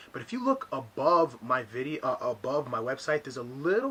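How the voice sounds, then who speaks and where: The tone is animated, with noticeable background noise behind it. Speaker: internet marketing coach. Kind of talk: tutorial. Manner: fast.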